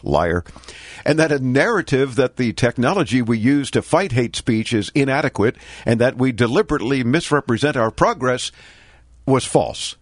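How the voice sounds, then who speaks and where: A man's voice: medium pitch, no room sound, clean studio sound. An older man hosting a tech news radio show, nasal and stuffy from a cold, delivering sarcastic quips. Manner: sarcastic, quipping commentary. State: congested with a cold. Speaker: host.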